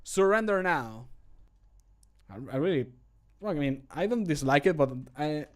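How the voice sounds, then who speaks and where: A man's voice: fairly high pitch, a little fast. A man, around his thirties, chatting casually on a livestream while he works, self-deprecating and often muttering to himself. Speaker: game modder recording his own voice lines, streamer. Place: indoor room at a computer desk.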